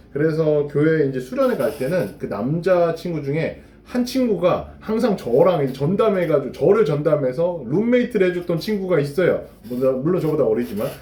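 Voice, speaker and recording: Amid audible room echo and noticeable background noise, a man speaks at a moderate pace with a high pitch and very wide pitch swings. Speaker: vlogger. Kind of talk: casual monologue vlog.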